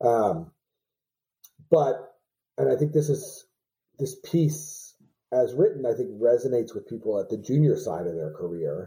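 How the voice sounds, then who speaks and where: Man's medium-pitched voice with a dark, mellow tone and vocal fry, very wide pitch swings, a fairly slow pace and long, frequent pauses. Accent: American. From US Southwest, Navajo reservation. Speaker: law professor guest. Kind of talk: casual interview. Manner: conversational, self-deprecating.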